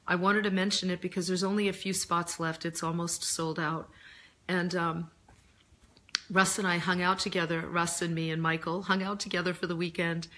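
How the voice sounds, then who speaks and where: Reflective middle-aged woman, deepened low voice. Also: level tone, moderate pace, pushed and bright. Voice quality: voice deeper than usual. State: recovering from laryngitis. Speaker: host of a live stream, author and coach. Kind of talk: casual live chat answering viewer questions.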